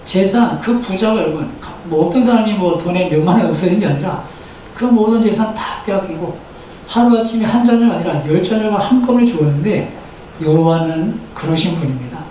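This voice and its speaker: A man's voice: sits high, animated, brisk, mellow, recorded from a distance, slight background noise. Preaching man, echoey church hall. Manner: preaching with rhetorical questions, leading the congregation in call-and-response. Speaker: pastor. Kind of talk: sermon. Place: church sanctuary.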